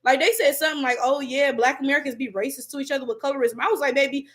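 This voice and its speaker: This livestreaming YouTuber has a Detroit accent and a high voice with fairly even intonation, delivered rapid-fire. She reads chat comments aloud casually, full of slang and frequent laughter, her voice cracking.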